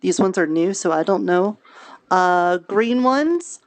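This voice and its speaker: A woman playing a gentle fantasy mushroom grower in improvised roleplay, talking hesitantly in simple, childlike phrases. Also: fairly low pitch, lively intonation, slow pace. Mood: gentle, explaining. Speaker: roleplay streamer. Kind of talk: improvised in-character virtual-world roleplay chat.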